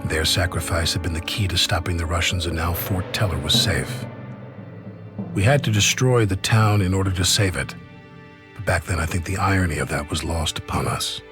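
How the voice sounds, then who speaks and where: An actor narrating as a soldier looking back on the war, measured and reflective. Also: male voice, low-pitched, natural voice. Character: male soldier recalling the war. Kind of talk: scripted game narration.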